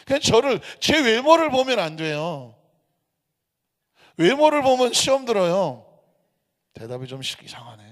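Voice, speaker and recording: A man's voice: extremely high pitch, very animated, unhurried, pauses often, in a large hall. A man from Seoul preaching a sermon as pastor, keeps firing rhetorical questions at the congregation. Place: church sanctuary.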